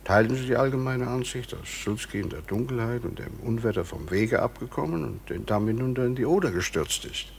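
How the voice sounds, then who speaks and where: Formal investigator in a radio play, gravelly low voice, keeps pressing, slight hiss. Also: male voice, lively intonation. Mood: sceptical, pressing. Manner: measured, insistent questioning. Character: probing, formal male justice official questioning villagers. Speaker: actor in a radio crime drama. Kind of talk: German radio play acting.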